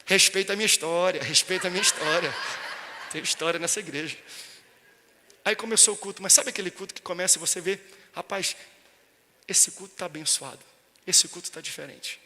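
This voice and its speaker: A man's voice: sits high, fairly quick, long pauses, in a large hall, noisy background. A man with a Brazilian Portuguese accent, a pastor telling a story and preaching a sermon that builds to impassioned peaks. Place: large church hall.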